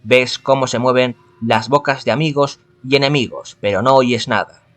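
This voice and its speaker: Over soft background music, a man from Spain with a Spanish accent reads a visual novel aloud in a medium-pitched, slightly bright voice. His intonation stays fairly even at a moderate pace as he stumbles, corrects himself often, and adds asides.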